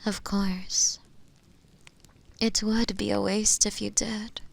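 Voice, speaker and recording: An imprisoned witch as a woman acts her out in a fantasy audio roleplay, speaking in a hushed, breathy voice with a gravelly creak. She draws her words out slowly and deliberately at a medium pitch. Her pleading innocence carries a sly, seductive undertone. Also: little pitch movement, exaggerated voice. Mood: meek, coaxing. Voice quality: breathy, whispery. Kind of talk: dramatic roleplay audio acting.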